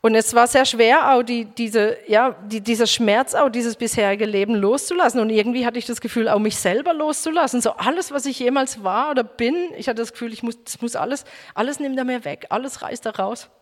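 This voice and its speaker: A woman preacher giving a personal testimony sermon, emotional and halting, with frequent restarts. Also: a little high. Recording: echoey hall reverb.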